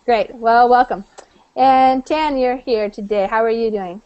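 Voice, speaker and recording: A woman's voice: on the high side, measured pace, clear, resonant tone, muffled recording. A woman from the United States teaching an online English class over a video call, friendly and chatty with many fillers.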